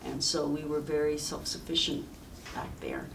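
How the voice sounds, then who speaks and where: A woman in her seventies from rural southern China, a native speaker of a Chinese village dialect, reminisces about her life in a halting, reflective way for an oral history interview. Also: low-pitched, sing-song, vocal fry. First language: Sayep village dialect of Chinese. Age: 70s. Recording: distant mic with faint background noise.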